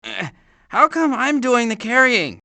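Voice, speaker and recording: A man voicing a fretful, long-suffering turtle in an animated video game. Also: very high voice, unhurried, vocal fry, exaggerated voice. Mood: fretful, exasperated. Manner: fretful, exasperated, hesitant.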